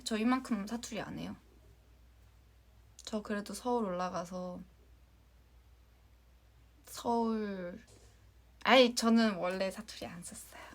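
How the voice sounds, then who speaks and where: A young woman from Jeonju with a light Jeolla accent, chatting casually with fans on a livestream, giggling and sometimes dropping into a soft whisper. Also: fairly high pitch. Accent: light Jeolla Korean. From Jeonju, Korea. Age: young adult. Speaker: idol livestream host.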